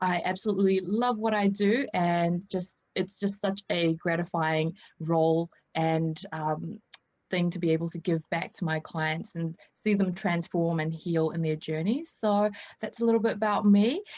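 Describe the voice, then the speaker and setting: Speaking in a strong New Zealand accent, a woman uses a fairly low pitch, ordinary pitch variation and a moderate pace. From New Zealand (from age 9, born in Burma). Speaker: mindset coach. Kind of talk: podcast interview.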